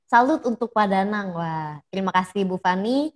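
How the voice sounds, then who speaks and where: A woman's voice: mid-range voice, lively intonation, normal speed. A woman hosting an online seminar over a video call, politely thanking the speakers and reading out viewer comments. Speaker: seminar moderator. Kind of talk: hosting a webinar.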